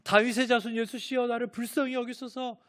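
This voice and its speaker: A man voicing a desperate blind male beggar, shouting and pleading for mercy. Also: very high-pitched, little pitch movement, a little fast, pitched above the performer's own voice.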